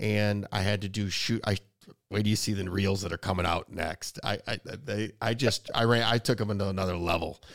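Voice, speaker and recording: Fairly quick and fairly low, a man talks in an unremarkable speaking voice with fairly even intonation. The recording is very clean, with a silent background. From Detroit area, Michigan. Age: 40s. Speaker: podcast host. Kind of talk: casual chat.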